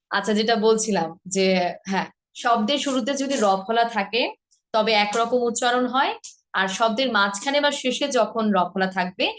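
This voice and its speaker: A woman teaching a pronunciation lesson from her home, patiently repeating each word slowly to demonstrate. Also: fairly high pitch. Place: rented home in a city.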